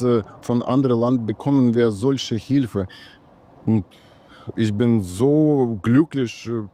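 A man from the Ukraine talks slowly in a warm, low-key voice, earnest and halting as he searches for German words. Faint outdoor ambience hums behind him. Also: slight background noise. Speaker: interviewee. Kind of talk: halting interview speech in a learned language.

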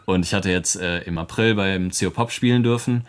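A man's voice: low voice, fairly quick, clear, resonant tone. A young man in his twenties, a musician guest, answering interview questions in a casual, chatty way with frequent laughs. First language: English. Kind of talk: relaxed radio interview answers.

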